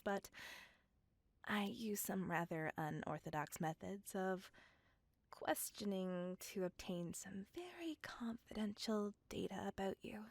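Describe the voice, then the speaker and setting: A woman's voice: medium pitch, no echo, natural voice. A woman voicing a polite, possessive female vampire in an ASMR roleplay, speaking formally and often whispering close to the mic. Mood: courteous. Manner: formal, courteous old-fashioned speech; whispering intimately. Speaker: voice actor.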